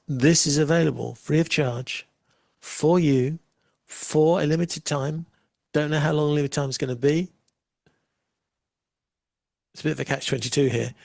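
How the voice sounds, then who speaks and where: A man hosting a live software demo, chatting casually and making wry asides while he waits. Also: fairly high pitch, creaky, dry recording. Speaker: livestream host demoing software.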